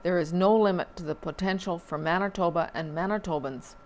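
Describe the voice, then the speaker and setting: A woman reading local newspaper items aloud at a measured pace, with small slips and dry asides. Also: on the low side, darkish tone, slight background noise.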